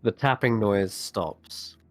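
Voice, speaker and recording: A man's voice: on the low side, takes it slowly, no echo. A man narrating a tabletop role-playing game as game master, describing scenes and asking players what they do.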